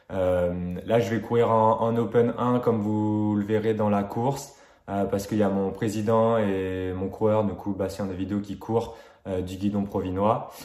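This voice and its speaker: Over audible room echo, a man speaks in a fairly low pitch and a dark, mellow tone, with monotone, flat intonation at a fairly slow pace. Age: 20s. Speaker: amateur cyclist and coach. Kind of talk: race commentary and debrief.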